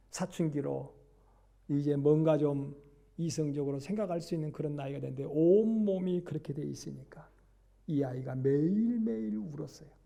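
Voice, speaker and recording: A man's fairly high-pitched voice with a dark, mellow tone, ordinary pitch variation, a moderate pace and audible room echo. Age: 60s. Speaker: pastor. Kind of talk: sermon. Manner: animated.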